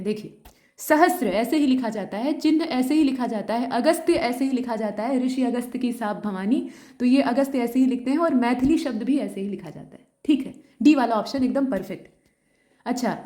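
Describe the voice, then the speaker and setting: A woman teacher going through an exam answer key, explaining each question and often pausing to check that the point has landed. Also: sits high, darkish tone.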